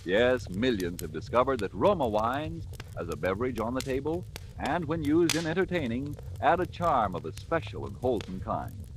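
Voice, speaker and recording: Smooth persuasive radio announcer man. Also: medium pitch, sing-song, moderate pace, noisy background. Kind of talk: scripted radio advertisement. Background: music.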